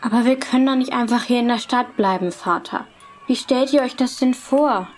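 A woman's voice: on the high side, normal speed, slight background noise, close to an everyday voice. A female performer playing a polite, worried young medieval girl in a German audio drama, earnest and deferential. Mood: worried, questioning.

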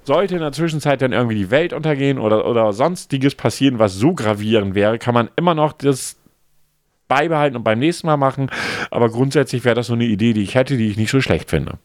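A man's voice: mid-range voice, lively intonation, fast, no echo, clean studio sound. A man co-hosting a casual podcast, joking and rambling with a self-satisfied tone. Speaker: podcast co-host.

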